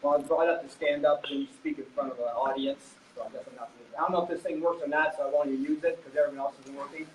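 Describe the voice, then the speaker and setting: A man's voice: fairly high pitch, fairly even intonation, fast talker, hardly any pauses. An older man giving a candidate statement in a chatty, offhand way, with informal asides. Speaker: council candidate. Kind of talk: opening statement. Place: public meeting hall. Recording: echoey hall, distant mic, faint noise.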